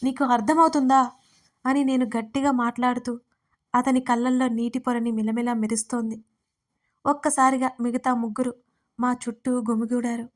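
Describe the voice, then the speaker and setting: Young female storyteller, high pitch, flat delivery, emotional first-person audio story. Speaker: writer and narrator. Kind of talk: storytelling narration.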